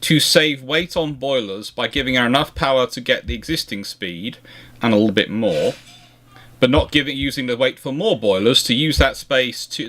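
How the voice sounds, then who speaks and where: A man's voice: mid-range voice, a bit bright. A man hosting a casual history question-and-answer chat, rambling and often circling back to rephrase himself. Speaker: host answering viewer questions.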